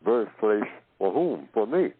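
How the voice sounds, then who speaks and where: A man from Oklahoma giving a slow philosophical talk, asking himself questions and answering them, and repeating phrases to build his point. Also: on the low side, sing-song, husky, no room sound. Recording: tinny phone-line audio.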